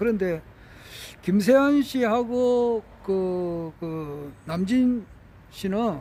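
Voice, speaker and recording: This man's high voice swings very widely in pitch as he talks. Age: 70s. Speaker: retired civil servant vlogger. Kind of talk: casual vlog monologue. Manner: halting, repetitive.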